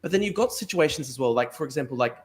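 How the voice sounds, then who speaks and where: A man's voice: mid-range voice, animated, racing. An Australian man hosting a podcast debate, asking long, rambling questions with many restarts. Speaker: podcast host.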